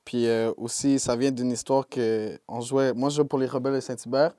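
A young man speaks with a Québécois French accent, easygoing and unhurried, sprinkling English slang through his answers. His voice is mellow and warm. The recording is close and dry. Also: medium pitch, level tone, no echo. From Quebec, Canada. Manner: laid-back, peppered with English slang like "yo" and "bro". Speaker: rapper, interview guest. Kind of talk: casual interview talk.

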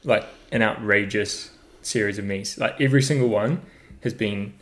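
A man's voice: lowish voice, normal speed, a bit bright. A young man with a New Zealand accent, co-hosting a casual running podcast in an easygoing, joking way. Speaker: podcast co-host. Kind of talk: casual chat.

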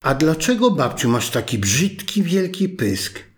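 A man voicing a sweet little girl in a red hood in a read fairy tale, high and wide-eyed. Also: very animated, unhurried. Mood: innocent.

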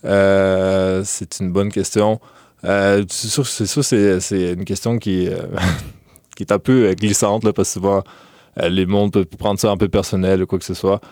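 Deep, flat-voiced young man, hesitant. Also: a little slow, dry recording, clean studio sound. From Ukraine. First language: Russian. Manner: hesitant, many fillers and restarts. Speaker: guest. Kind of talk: relaxed interview talk.

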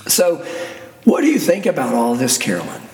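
A man with a gravelly voice, hoarse from laryngitis, co-hosting a Christian counseling talk show in a conversational way. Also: mid-range voice, huge pitch swings, moderate pace, darkish tone. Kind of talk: religious talk radio conversation. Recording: roomy, echoey, distant, faint noise.

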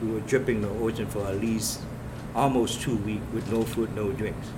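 A man from Vietnam, a police officer telling his story in an interview in earnest, halting short phrases. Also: on the low side. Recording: noisy room with steady background hum.

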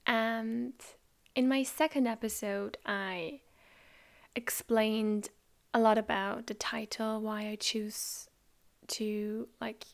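A woman whose first language is German hosts a spiritual podcast, talking in a soft, slow, reflective way that often drops close to a whisper. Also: fairly high pitch, flat delivery, gravelly. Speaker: podcast host. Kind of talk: calm spiritual podcast monologue.

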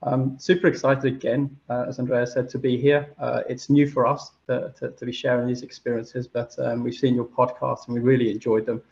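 A man's voice: medium pitch, little pitch movement, a little fast, creaky, few pauses, a little mellow. A man from the United Kingdom joins a podcast as a guest, speaking over dull, lo-fi video call audio. He talks in a hesitant, thoughtful way, stopping often on fillers. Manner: hesitant, many uhs and ums. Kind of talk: casual interview chat.

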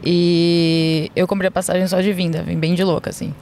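A woman's voice: fairly low pitch, flat delivery, normal speed, a little mellow, slight background noise. Woman, frank slangy storyteller, outdoors, faint ambience. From Florianópolis, Brazil. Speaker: podcast guest. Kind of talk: casual storytelling. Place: outdoors near a beach.

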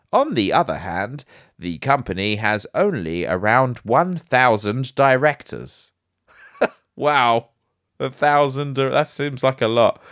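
A man's voice: medium pitch, fairly bright tone, no room sound, clean studio sound. A man hosting a casual tech news podcast. He is nasal from hay fever and breaks up the news with joking asides. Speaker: podcast host.

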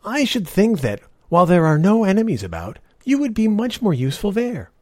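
A man's voice: high-pitched, sing-song, fairly quick, dry recording, clean studio sound, pitched above the performer's own voice. A man doing a sly, taunting old beggar woman.

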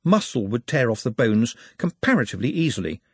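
A man voicing a polite, precise male orc who stays menacingly calm and speaks in formal, pedantic phrases. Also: medium pitch, a little fast, slightly rough, dry recording. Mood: calmly menacing.

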